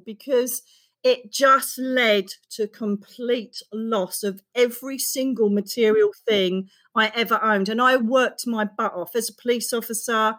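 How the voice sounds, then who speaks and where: A middle-aged woman who is an author, telling her personal story in an interview in a frank, expressive way that runs on quickly. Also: on the high side. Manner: emotional, expressive, fast-running storytelling. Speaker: guest author.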